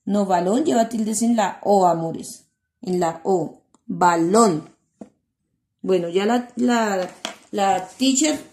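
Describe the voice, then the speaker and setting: Woman teacher, patient and slow, sounding out syllables for small children, echoey room. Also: mid-range voice, a little mellow. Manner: slow, syllable-by-syllable dictation with endearments. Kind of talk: online class for young children.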